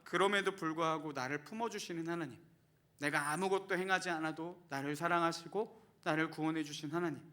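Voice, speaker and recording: A man's voice: fairly high pitch, bright, forceful tone. A Korean man, a pastor in his thirties, preaching a sermon in church and asking the congregation questions. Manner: earnest, asks the congregation questions. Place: church sanctuary.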